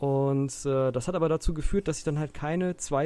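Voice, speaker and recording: Fairly high in pitch, this man's voice has a dark, mellow tone. He moves at a moderate pace with ordinary pitch variation. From Lower Saxony, northern Germany. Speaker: podcast listener giving feedback. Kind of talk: casual chat.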